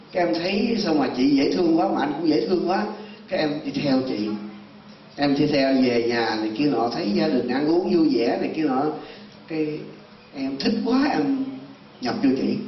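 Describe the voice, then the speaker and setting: A man voicing a clingy young woman ghost who speaks in a hushed, coaxing way, captured in a roomy, distant, dull recording. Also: a little high, slight background noise, close to an everyday voice.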